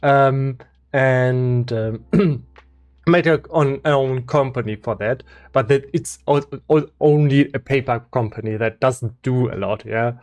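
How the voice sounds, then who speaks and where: A man from Germany with a German accent, a game developer chatting casually on a live stream, halting with many restarts and fillers. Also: medium pitch, darkish tone, soft background music.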